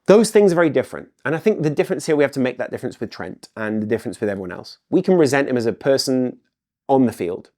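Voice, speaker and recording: With a medium-pitched, darkish voice, this football channel host from England speaks quickly and expressively in a solo commentary video. The middle-aged man is earnest, repeats himself, and leans heavily on "ultimately."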